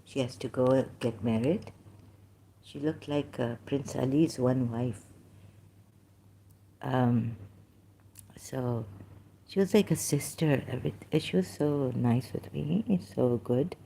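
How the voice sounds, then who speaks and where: Pakistani woman vlogger, low and warm, rambling, faint noise behind. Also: vocal fry. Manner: rambling, halting, many fillers and restarts. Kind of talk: casual monologue, reading aloud at times.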